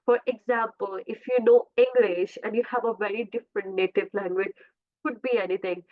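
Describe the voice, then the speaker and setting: A woman whose first language is Urdu gives a career coaching talk over a video call, often pausing with fillers and correcting herself mid-sentence. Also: mid-range voice, fairly even intonation. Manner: repeats and self-corrects, frequent uh fillers. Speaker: career coach presenting a webinar. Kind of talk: informal presentation with slides. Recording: tinny phone-like video call audio.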